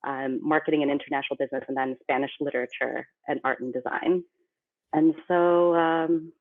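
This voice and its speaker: A woman from the Philippines, a company CEO, talking casually as a podcast guest in a chatty, self-deprecating way. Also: low voice. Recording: tinny phone-like remote line.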